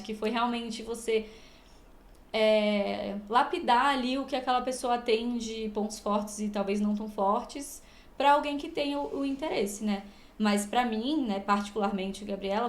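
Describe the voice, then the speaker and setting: A woman's voice: on the high side, echoey room. A Brazilian woman talking as a podcast guest. She rambles happily and acts out other people's remarks as she tells a story. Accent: Brazilian Portuguese. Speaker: guest, medical student and influencer. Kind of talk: casual podcast chat.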